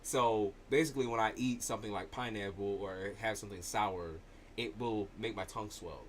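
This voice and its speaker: A man's voice: lowish voice, moderate pace, slight background noise. A man with a slight lisp hosting a livestream, chatting loosely and swearing in casual banter. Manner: loose, profane, laughing banter. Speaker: tarot livestream host. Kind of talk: casual chat.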